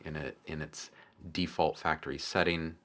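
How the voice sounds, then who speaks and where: A man hosting a casual software tutorial, explaining things informally with frequent hesitations. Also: rumbling low, flat delivery, normal speed, heavy background noise. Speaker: tutorial host.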